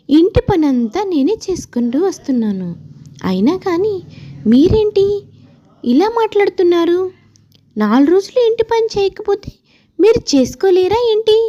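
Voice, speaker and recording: A woman's voice: very high-pitched, mellow, highs cut off. A woman voicing an aggrieved young wife and daughter-in-law in a story, complaining and argumentative.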